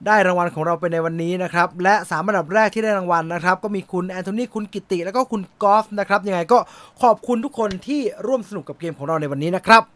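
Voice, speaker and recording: A man's voice: high-pitched, fast talker, few pauses, fairly bright tone, slight background noise. A man hosting a live movie quiz stream, announcing winners and teasing viewers in casual chat. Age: adult. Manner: playful, teasing, joking asides with laughter.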